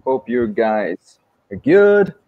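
A young man with a Brazilian Portuguese accent hosting a live-stream interview on a video call, speaking slowly in simple words for learners. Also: medium pitch, sing-song, phone-quality sound. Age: young adult. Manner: slow, simple wording for learners. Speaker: host, language mentor. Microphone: earphone headset on a video call.

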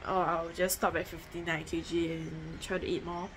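Indoors at home, a young vlogger talks into a phone held close at arm's length for a casual diet video. Her fairly low voice moves at a moderate pace with little pitch variation, and her rambling, matter-of-fact chat is full of fillers and restarts; the phone recording is noisy.

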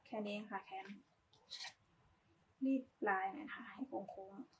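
A woman's voice: mid-range voice, takes it slowly, gravelly, lo-fi sound, a little hiss or hum. A woman giving a casual, polite step-by-step craft tutorial, talking as she demonstrates. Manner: informal, polite, talks while demonstrating.

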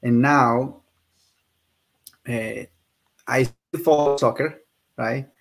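A man's voice: mid-range voice, fairly even intonation, very slow, creaky. Friendly young man from Peru hosting. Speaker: interview host. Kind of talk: casual video-call interview.

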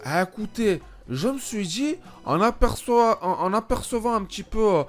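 A man streaming a roleplay game, playing a rough-talking gypsy job seeker who swears and mutters to himself. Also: high-pitched, normal speed, soft background music. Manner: excitable, swearing, mumbling asides to himself. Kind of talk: GTA roleplay commentary in character.

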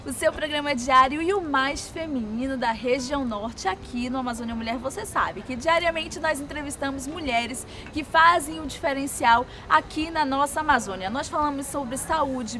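A woman's voice: high-pitched, moderate pace, few pauses, a little hiss or hum. A young woman hosting a TV program, outdoors in a forest park. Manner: bright, polished presenter delivery. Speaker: TV host. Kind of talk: TV presenter intro and interview. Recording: background music underneath.

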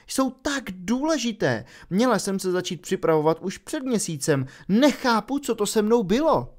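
A man's voice: high-pitched, sing-song, darkish tone, pitched above the performer's own voice. A man voicing a bossy, studious schoolgirl who frets about exams, in an insistent, exasperated manner.

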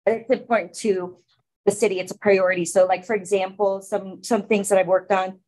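A woman's voice: medium pitch, level tone, moderate pace, a little mellow, poor audio. A woman from the Philippines facilitating a public city commission meeting, explaining informally with many fillers.

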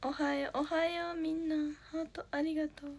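A young idol trainee who got no sleep last night chats casually on a phone livestream from home, reading viewer comments, thanking people chirpily and sometimes whispering. Her voice is high and level in tone, her pace brisk, with slight background noise.

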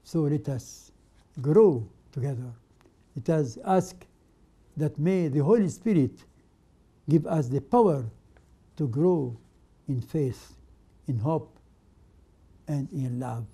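An older man whose first language is Arabic, presenting a religious program as a patriarch and giving a sermon in short, emphatic phrases with many pauses. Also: a little high, animated, mellow, slightly rough. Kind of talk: slow spoken sermon.

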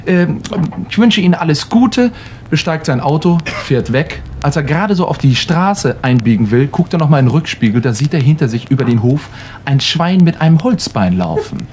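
A man telling jokes on a club stage, in brisk, clipped fragments. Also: medium pitch, animated, a little mellow, a little hiss or hum. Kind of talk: live cabaret joke telling. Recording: live club recording with faint audience.

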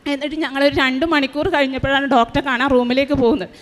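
A woman with a high voice gives an earnest church testimony as a mother. She retells her story tearfully, slowing down and pausing often. Her voice rings out in the long reverb of a large shrine hall. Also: steady tone.

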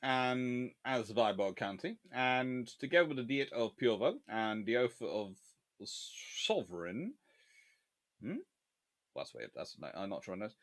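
A man's voice: mid-range voice, very animated, a little slow. A man giving a long, digressive history lecture on a livestream, sarcastic and openly exasperated at blunders.

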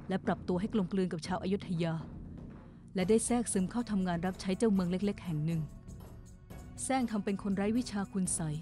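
A woman voicing a bitter, guarded young male outcast with a grave, deliberate delivery in a motion-comic drama. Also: medium pitch, darkish tone, natural voice.

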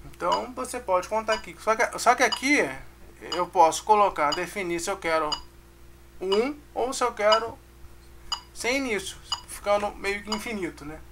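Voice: medium pitch, lively intonation, normal speed, noisy background. A music teacher with a Brazilian Portuguese accent, giving a casual online lesson, counting beats aloud and checking in with the class.

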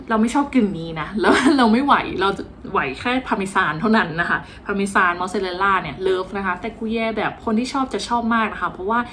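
A woman's voice: mid-range voice, a bit bright, slight background noise. A woman talking casually and playfully about a cooking class, joking at her own expense. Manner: chatty, playful, self-mocking. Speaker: vlogger.

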